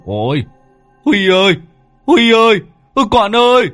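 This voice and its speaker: A man voicing a gruff older man who mutters and wails in fright. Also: high voice, sing-song, a little slow, a bit bright, faint music behind, pitched above the performer's own voice, exaggerated voice. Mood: wailing. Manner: muttering, wailing. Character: old man, gruff then terrified.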